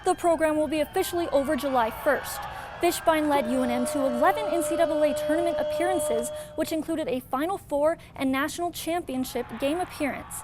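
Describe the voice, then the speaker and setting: A woman's voice: high-pitched, fairly quick, noisy background. A woman with an American accent reading a scripted sports newscast as the anchor.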